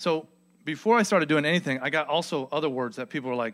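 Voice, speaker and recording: A man speaks with an ordinary speaking voice. His pitch variation is ordinary. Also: very clean recording, silent background. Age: 30s. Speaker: pastor. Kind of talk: sermon. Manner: casual, laughing often.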